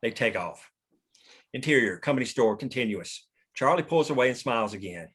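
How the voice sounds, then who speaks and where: A man narrates a script at a table read. His voice is of average pitch. He delivers each short stage direction in a plain, matter-of-fact way. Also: expressive, fairly quick, a bit bright, husky.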